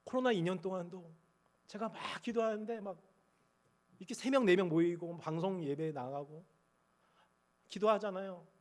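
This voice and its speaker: Pastor type, man with a high voice, fervent pulpit preaching that goes from big cries to near-hushed confession. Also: moderate pace, long pauses. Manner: impassioned, swinging from loud cries to quiet confession. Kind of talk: sermon. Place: church sanctuary at the pulpit.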